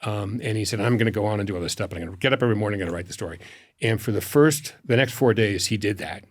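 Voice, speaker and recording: A man speaking as an interview guest in a measured, reflective way, telling anecdotes with pauses. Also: lowish voice. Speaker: foundation president, interview guest.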